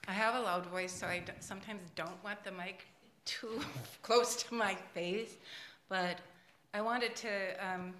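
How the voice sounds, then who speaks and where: An older woman in the audience giving an impassioned comment into a handheld microphone at a panel, getting louder and more emphatic. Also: medium pitch, slight background noise. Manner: emphatic, grows louder and forceful. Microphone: handheld microphone passed in audience. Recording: echoey room.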